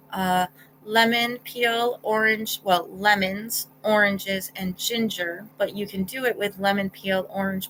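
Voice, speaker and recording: A woman talks at a very slow pace and medium pitch. Her intonation stays fairly even. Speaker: holistic healing channel host. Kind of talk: live stream chat. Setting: live stream. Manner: casual, many filler ums.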